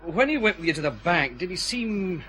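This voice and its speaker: An actor playing a dry, probing detective chief inspector in a radio drama. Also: male voice, high voice, big pitch swings, normal speed, pushed and bright, a little hiss or hum, heavily acted.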